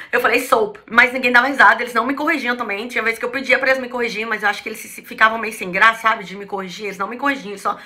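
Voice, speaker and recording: A Brazilian woman in her thirties with a Brazilian Portuguese accent, a guest casually telling her story and acting out what others said with big jumps in her voice. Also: rapid-fire. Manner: animated, acts out quoted speech with pitch jumps.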